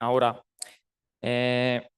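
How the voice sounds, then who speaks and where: A man's voice: medium pitch, completely flat delivery, extremely slow, clean tone. A Costa Rican man preaching a sermon, constantly asking the congregation rhetorical questions and acting out the people in his stories. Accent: Costa Rican Spanish. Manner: acts out quoted figures in a raised voice. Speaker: pastor. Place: church.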